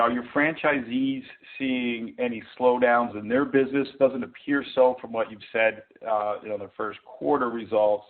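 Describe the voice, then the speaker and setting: A male analyst with a medium-pitched voice puts questions on an earnings call. His phrasing is hesitant and conversational, and the sound is a narrow phone line. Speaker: financial analyst.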